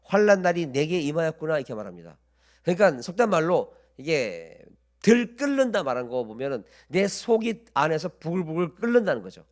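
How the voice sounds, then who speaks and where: A male pastor preaching a sermon with a lively, rising-and-falling delivery. He explains the scripture step by step and keeps putting questions to the congregation. His voice sits slightly high. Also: fairly quick.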